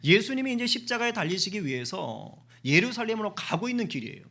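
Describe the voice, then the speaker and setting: A male pastor preaching a sermon in a church, lively, often asking the congregation questions and acting out dialogue. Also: high-pitched, fast, vocal fry. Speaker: senior pastor. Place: church sanctuary.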